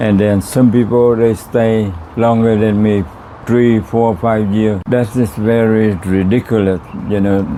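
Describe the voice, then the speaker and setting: Over noticeable background noise, a man with a Vietnamese accent speaks at a fairly low pitch and a fairly slow pace with fairly even intonation. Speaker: homeless man. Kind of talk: interview.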